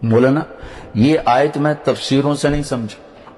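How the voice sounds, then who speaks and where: An older Pakistani man with a Punjabi accent delivers a storytelling sermon. He sinks into a low register whenever he recites scripture. His voice sits at a middling pitch and rings with the long reverb of a big hall. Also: fairly even intonation, a little mellow. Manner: storytelling preacher, recites Arabic verses in a low tone. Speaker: Islamic preacher.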